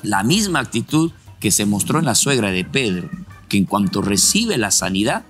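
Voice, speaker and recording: A man's voice: lowish voice, very animated, normal speed, fairly bright tone, breathy edge, soft background music. A man hosting a Christian program, commenting on the testimony in a preacherly way and quoting scripture. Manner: preacherly, reflective, quotes scripture. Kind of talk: sermon-like interview commentary.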